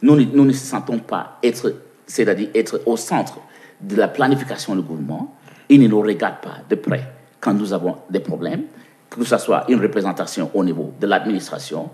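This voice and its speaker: A man's voice: fairly low pitch, moderate pace, dark tone. A man from Cameroon with an English-speaking Cameroonian accent, answering interview questions at length. He often repeats words as he searches for them and asks himself questions before he answers. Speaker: interview guest.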